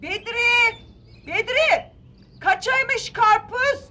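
An actress playing a chatty housewife on holiday who coaxes her husband in a lively way in a sitcom. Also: high-pitched, normal speed, a little hiss or hum. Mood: calling. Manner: lively, coaxing. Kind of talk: sitcom acting.

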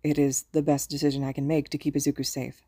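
Woman reader doing a dangerous old guy full of guilt, low voice, resigned, slow and quiet, audiobook. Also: little pitch movement, slightly rough, no echo, clean studio sound. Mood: grave, resigned. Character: guilt-ridden, self-loathing, dangerous old man.

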